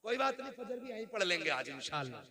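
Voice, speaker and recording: A man's voice: high-pitched, very animated, fast talker. A man preaching at a religious gathering, joking with the crowd and leading their responses, then chanting a long lineage. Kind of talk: sermon with crowd call-and-response. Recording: crowd noise from a live gathering.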